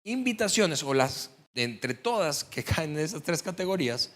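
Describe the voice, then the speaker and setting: A man's voice: on the high side, very animated, moderate pace, a bit bright. Man preaching a conversational sermon. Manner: conversational preaching, rising to emphatic stress on key words. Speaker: pastor.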